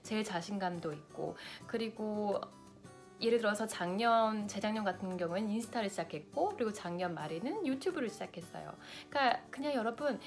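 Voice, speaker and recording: A woman in her late thirties, a lifestyle vlogger, talking to camera and giving big-sister advice straight to her viewers. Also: medium pitch. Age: 30s.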